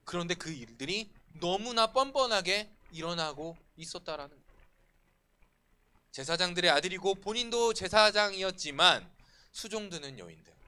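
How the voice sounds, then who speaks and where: A man preaching to a church youth group, animated and often asking the students questions. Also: high-pitched. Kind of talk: sermon. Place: church worship room.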